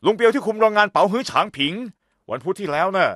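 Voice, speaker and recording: An actor dubbing a fretful, bumbling middle-aged shop manager who pleads and excuses himself in a TV drama. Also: male voice, high voice, quick pace, no room sound. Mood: anxious. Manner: apologetic, pleading then excitable gossiping. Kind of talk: Thai dub of a TV drama. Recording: dry studio dub with faint music.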